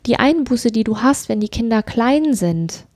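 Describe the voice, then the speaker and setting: A woman's voice: fairly high pitch, expressive, a little slow, a little mellow, no room sound, studio quality. A middle-aged woman in a casual discussion, speaking emphatically, repeating phrases and asking rhetorical questions. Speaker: podcast co-host.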